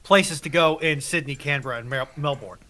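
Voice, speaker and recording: A man's voice: a little high, fairly quick, bright, forceful tone. A man co-hosting a live chat, joking and teasing in short remarks. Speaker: co-host.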